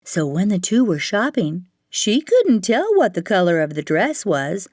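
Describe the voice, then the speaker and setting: A woman narrating a children's fairytale as a storyteller, with expressive delivery and dramatic, drawn-out emphasis. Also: medium pitch, no echo, clean studio sound.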